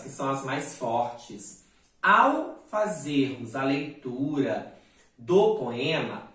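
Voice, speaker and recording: Slow-paced male teacher in an echoey room. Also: fairly high pitch, fairly bright tone. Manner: slow, deliberate dictation, stressing syllables. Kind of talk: recorded video lesson. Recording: echoey room, mic at a distance.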